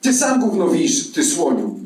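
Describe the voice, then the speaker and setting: An actor reading aloud and voicing a crude, quarrelsome factory worker who insults everyone in a coarse, hot-headed way. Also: male voice, a little high, wildly swooping pitch, normal speed, a little mellow, pitched above the performer's own voice. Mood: insulting. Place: event hall at a live reading. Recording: echoey hall from far off.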